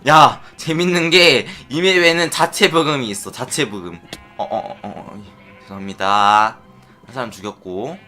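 A man giving excitable play-by-play commentary on his Minecraft minigames, often chanting and shouting as he plays. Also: mid-range voice, moderate pace, faint music behind. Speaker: gaming YouTuber.

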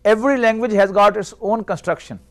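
A middle-aged Arabic teacher, a native Urdu speaker, lectures on language structure in a steady, patient voice that sits noticeably high. He often pauses to pose rhetorical questions to his students, recorded close on a lapel mic in a small classroom.

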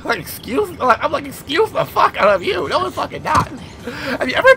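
A young man with a lisp giving casual let's play commentary, excitable and swearing a lot. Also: very high voice, normal speed, gravelly, noisy background. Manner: excitable, swears constantly, self-deprecating. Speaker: gaming video host.

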